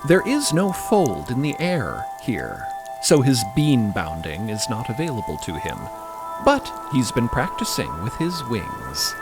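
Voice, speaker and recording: Guy narrating a story podcast, slow and expressive, music loud behind. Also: mid-range voice. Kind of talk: scripted fiction podcast narration.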